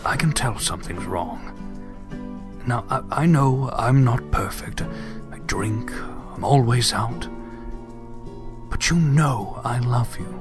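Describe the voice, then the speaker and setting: Slow-talking actor as a troubled father over music. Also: mid-range voice. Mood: earnest, concerned. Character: tender but troubled father and husband, secretly shady. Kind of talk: audio drama acting, slow intimate dialogue.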